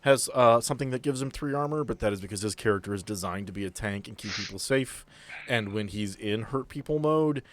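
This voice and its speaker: A man with a fairly low, brisk voice runs a role-playing podcast as game master. He explains and narrates casually, tossing in joking, sweary asides, with music playing behind him.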